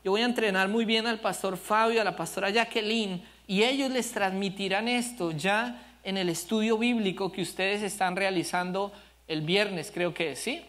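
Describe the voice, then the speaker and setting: A man's voice: sits high, normal speed, a bit bright. A male pastor preaching a sermon, telling stories with animation and asking the congregation questions. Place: church service.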